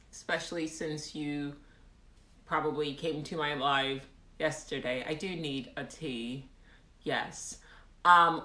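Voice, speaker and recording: A woman's voice: low voice, sharp tone. A young woman chatting casually on a livestream in an amateur, put-on British accent, with a wry, self-deprecating manner. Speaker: live streamer. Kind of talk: casual livestream chat, reading out comments. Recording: roomy indoor echo.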